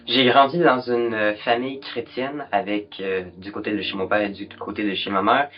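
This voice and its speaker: A man's voice: on the low side, steady tone, normal speed. A teenage boy, earnestly telling his faith story in a testimony video. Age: teens. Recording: dull recording with soft guitar.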